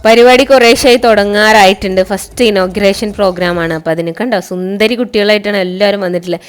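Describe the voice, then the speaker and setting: A woman's voice: medium pitch, fairly even intonation, fast talker, clear, resonant tone. A woman with a Kerala accent narrating a casual, chatty vlog, mixing English words into her Malayalam. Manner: chatty, addresses viewers with frequent tag words. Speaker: college teacher and vlogger.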